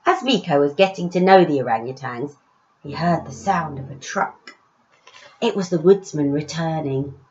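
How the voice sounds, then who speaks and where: A woman author reading her own story aloud in an expressive children's storytelling style. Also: sits low, normal speed, lo-fi sound.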